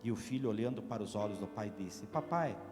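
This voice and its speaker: A priest delivers a sermon in a dramatic storytelling way, rising loud and sinking to a hush. His voice rings with long church reverb. A soft guitar plays behind him. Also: on the low side, quick pace. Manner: dramatic, swinging from loud preaching to hushed storytelling.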